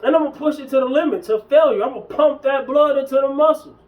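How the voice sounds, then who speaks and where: A man in his early forties rants in a fairly high voice, slangy and preachy, often circling back to hammer the same point. He sounds set back from the mic, a little distant in the recording. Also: quick pace, phone-quality sound. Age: 40s. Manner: emphatic, preachy, slangy, repeats himself. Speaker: fitness vlogger. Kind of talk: casual ranting monologue.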